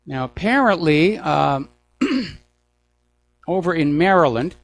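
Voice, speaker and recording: An older American man hosting a political news talk show, speaking in an opinionated monologue with deliberate, pause-broken phrasing. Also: fairly high pitch, very animated, gravelly. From United States.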